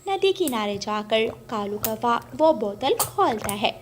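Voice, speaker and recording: A woman's voice: a little high, big pitch swings, unhurried, noisy background. A woman narrating a children's cartoon story and ending with a moral and a request to subscribe.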